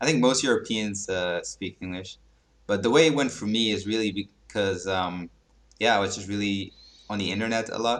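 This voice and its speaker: A man speaks with a Dutch accent at a fairly quick pace. His pitch is fairly low, with ordinary variation. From Netherlands. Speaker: Japanese learner, exchange student. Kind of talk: podcast interview. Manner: casual, many fillers.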